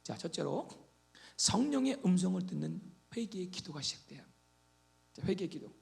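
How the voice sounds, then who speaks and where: A man preaching a sermon as pastor, animated, swinging between loud exhortation and quiet asides. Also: high-pitched, moderate pace, vocal fry.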